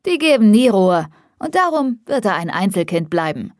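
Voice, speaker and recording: A woman's voice: mid-range voice, big pitch swings, normal speed, no room sound, clean studio sound, natural voice. A woman voicing a playful adult father who teases with mock outrage in an audiobook. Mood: wry. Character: playful dad friend, adult man.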